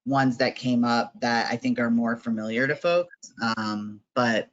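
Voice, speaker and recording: A man's voice: mid-range voice, fairly even intonation, unhurried, a bit bright, highs cut off. A man facilitating an online workshop, talking conversationally with lots of fillers and tag questions.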